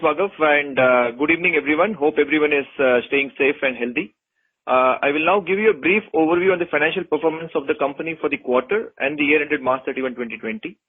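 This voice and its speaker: A man's voice: a little high, slightly rough. A man with an Indian accent gives a formal, businesslike scripted financial report as a company finance executive on a conference call. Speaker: finance executive presenting results. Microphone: telephone conference call. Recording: thin tinny conference phone line.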